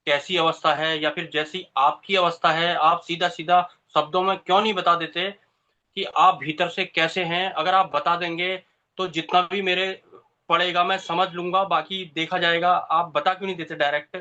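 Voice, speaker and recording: Sharp, higher-voiced man asking questions. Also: little pitch movement, moderate pace. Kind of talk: spoken question to a teacher. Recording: slightly dull, lo-fi sound.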